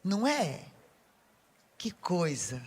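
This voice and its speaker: A woman with a Brazilian Portuguese accent preaching a lively sermon to a women's audience, playful and teasing, speaking straight to the crowd. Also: lowish voice, very slow, a little hiss or hum.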